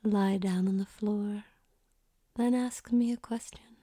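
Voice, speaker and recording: A woman voicing a young foreign woman who gives orders in a measured, formal whisper. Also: mid-range voice, steady tone, dark tone, no echo, studio quality. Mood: cool commanding. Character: commanding foreign young woman, cool and controlled.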